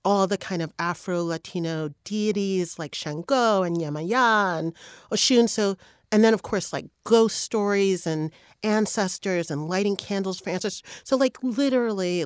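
A woman's voice: lowish voice, moderate pace, smooth, no echo, studio quality. A woman born in Panama and raised in northern England, a writer and editor chatting as a podcast guest and animatedly acting out relatives' voices. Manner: animated, acts out quoted relatives. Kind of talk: casual interview chat.

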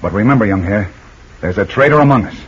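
Tough American jungle adventurer, brisk, low voice, muffled old radio recording. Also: male voice, expressive, husky. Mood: determined. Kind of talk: 1940s radio acting. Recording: dull old radio recording, faint hiss.

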